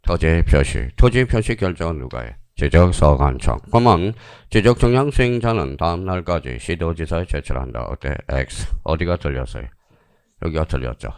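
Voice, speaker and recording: A low-voiced man gives an online exam-prep lecture in a dry, close recording. His pitch swings widely as he fires quick questions at his students and answers them himself. He repeats key phrases to drive them home. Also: no echo.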